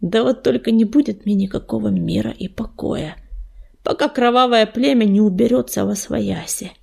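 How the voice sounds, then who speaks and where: A woman's voice: medium pitch, moderate pace, creaky, a little mellow, slightly rough. A woman voicing a weary, plain-spoken loner tomcat living on a farm. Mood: grumbling.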